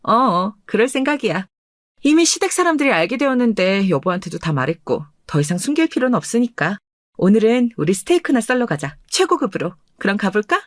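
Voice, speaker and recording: A woman voicing a calm, confident and teasing wealthy wife in a dramatized radio story. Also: medium pitch, a little fast, dry recording, studio quality, lightly acted. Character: rich, self-assured young wife.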